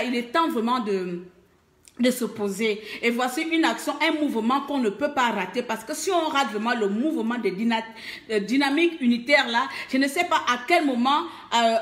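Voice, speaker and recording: A woman's voice: on the high side, a bit bright. Emphatic Gabonese woman in an echoey room. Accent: Gabonese French. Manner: emphatic, hesitant, full of fillers, switches languages. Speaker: activist making a call to mobilize. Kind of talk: live video appeal. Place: abroad, away from home country.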